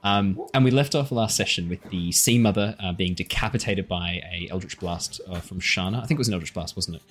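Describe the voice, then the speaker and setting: A man with a very deep voice narrates a tabletop roleplaying game off the cuff as its game master. He slips between description and casual, self-deprecating chat with players. Faint music plays behind him. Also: brisk.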